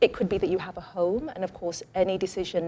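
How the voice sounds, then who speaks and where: Fairly quick talk from a woman, medium in pitch, with ordinary pitch variation. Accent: British. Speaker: panel guest, government marketing officer. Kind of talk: panel discussion.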